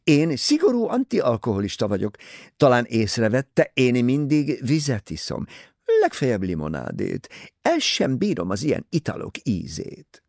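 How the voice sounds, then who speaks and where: A man's voice: mid-range voice, huge pitch swings, a little mellow, no echo, clean studio sound, voice pushed up. A man voicing an overbearing, self-pitying older woman novelist who talks insistently and complains.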